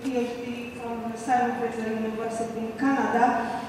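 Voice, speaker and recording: A woman with a Hungarian accent asking a question from the floor, slow and hesitant, searching for words. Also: on the high side, flat delivery, recorded from a distance. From Eastern Europe. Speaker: audience member asking a question. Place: large hotel ballroom, standing among the audience. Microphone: handheld microphone. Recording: roomy hall echo from afar, faint noise.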